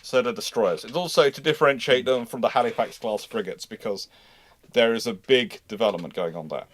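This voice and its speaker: A man's voice: medium pitch, a little fast. A man hosting a casual live question-and-answer discussion, explaining things with playful asides. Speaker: host answering viewer questions.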